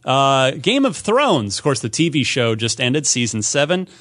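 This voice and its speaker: A man's voice: medium pitch, sing-song, moderate pace, a bit bright. Man hosting a casual podcast. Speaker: podcast host. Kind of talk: casual gaming podcast discussion.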